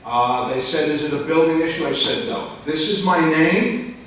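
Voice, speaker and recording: An older man from Long Island, speaking bluntly and loudly to a town board during public comment. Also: fairly high pitch, normal speed. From Long Island, New York. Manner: blunt, complaining, loud. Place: large echoey public meeting room. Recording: echoey room audio from far off.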